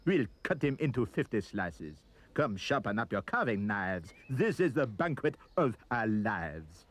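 A man voicing an excitable, hungry French mob, shouting greedily. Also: fairly low pitch, measured pace, heavily acted. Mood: greedy, shouting.

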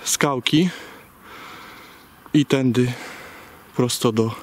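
A man in his forties hiking through the woods and talking into a camera on a stick, in an unhurried, plain way. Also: mid-range voice, a little hiss or hum. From Poland. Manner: unhurried, plain, talks while walking. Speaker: hiking vlogger. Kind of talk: casual spoken walk-through narration. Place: leafless forest outdoors. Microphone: action camera on a selfie stick.

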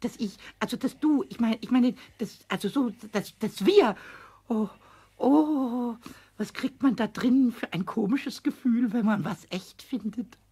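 A man playing a tiny, childlike, cheeky and impatient kobold in a children's audio drama, squeaky, stammering and repeating words. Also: measured pace, dark tone, slightly rough, heavily acted. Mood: shy, moved. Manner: breathless stammering repetitions, bursts into rhyme.

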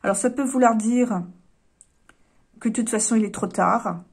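A woman giving a casual tarot card reading, hesitant and apologetic, often pausing and sighing. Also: a little high, vocal fry, slightly rough. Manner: hesitant, apologetic, with frequent fillers and sighs.

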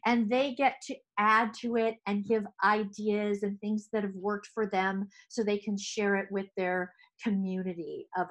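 Animated woman with headset mic. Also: mid-range voice. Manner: animated, gesturing with both hands. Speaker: speech-language pathologist. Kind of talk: presenting to clinicians. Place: home office.

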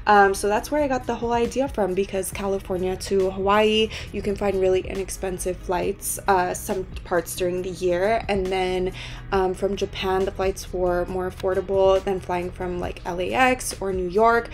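A young woman in her twenties talks through a travel vlog in an easy, chatty way. Her voice is hoarse and worn, and she rambles on, slipping small laughs in between her phrases. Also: mid-range voice, steady tone, normal speed. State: hoarse, lost voice. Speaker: travel vlogger. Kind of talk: casual vlog voice-over and to-camera talk.

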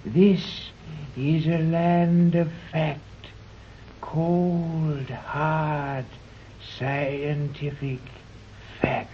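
An actor playing a haughty, condescending man of a hidden scientific colony, speaking in a slow, pompous way in a 1930s radio drama. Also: fairly high pitch, little pitch movement, slight background noise. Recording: dull old 1930s radio recording.

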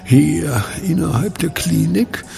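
An actor playing a sadistic werewolf clinic director in a horror audio drama, with a gravelly voice and a theatrical, mockingly polite manner. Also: male voice, on the high side, expressive, slow pace, over music, exaggerated voice. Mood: gloating.

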